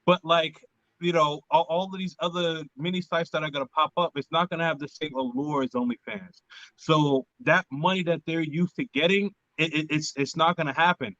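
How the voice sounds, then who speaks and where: Male podcast host, casual chat, bright forceful tone, halting delivery, dull dry lo-fi sound. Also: a little high, fairly even intonation, no echo. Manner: halting, many fillers and restarts.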